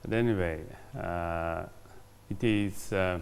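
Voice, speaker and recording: Halting, slow-spoken man. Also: deep voice, creaky, a little hiss or hum. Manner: halting, many hesitations and fillers. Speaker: ambassador interviewed. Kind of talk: formal interview. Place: formal reception room, indoors. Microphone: lapel mic.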